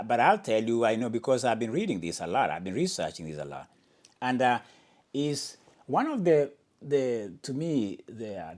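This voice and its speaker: Animated man speaking with conviction. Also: fairly low pitch. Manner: emphatic, questioning, with frequent restarts and fillers. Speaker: podcast host. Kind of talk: impassioned monologue.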